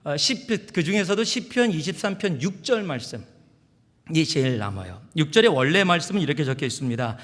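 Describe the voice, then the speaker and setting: A middle-aged man from Chungcheong preaching a sermon as pastor, swinging from loud exhortation to hushed whispers. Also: a little high, big pitch swings, brisk. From Chungcheong, South Korea. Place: large church sanctuary. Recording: long church hall reverb.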